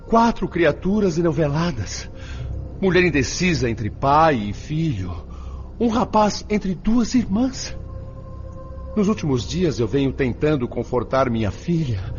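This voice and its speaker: Older anguished grandpa spirit played by a man, radio drama, emphatic n indignant, very animated pitch, dull audio w faint music. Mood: shocked, indignant. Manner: emphatic, exclamatory. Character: anguished, indignant grandfather spirit fretting over his family.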